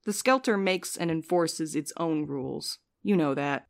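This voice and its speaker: A woman's voice: low voice, unhurried, gravelly. A woman playing a jaded, sleep-deprived young courier with a dry, sarcastic way of talking in a fiction podcast. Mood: confessional, bitter. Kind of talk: audio fiction podcast acting.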